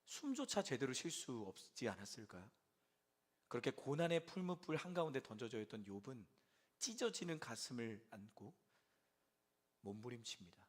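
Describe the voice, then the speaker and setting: A young adult man preaching a sermon to a church service, swinging from loud pleading to hushed, almost whispered lines. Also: mid-range voice, sing-song, normal speed. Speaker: pastor.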